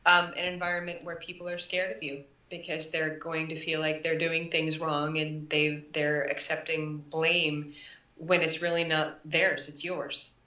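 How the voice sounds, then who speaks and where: Woman, chiropractor guest, emphatic coaching, fairly low voice, dull lo-fi call sound. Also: level tone, unhurried, pushed and bright. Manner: emphatic, coaching tone with acted-out quotes. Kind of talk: live online interview. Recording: echoey, distant, dull audio.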